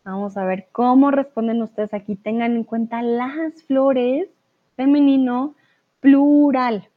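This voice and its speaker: Slow, patient woman teaching Spanish. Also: a little high, fairly even intonation. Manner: patient, reads viewers' chat answers aloud and corrects them; switches into English and German to explain. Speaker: Spanish teacher on a live stream. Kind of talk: live online language lesson. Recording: tinny narrow-band stream audio.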